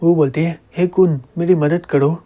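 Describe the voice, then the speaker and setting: A man's voice: on the high side, fairly even intonation, normal speed, warm tone. A man retelling a comic's story as a narrator, reading every character's lines in the same plain voice.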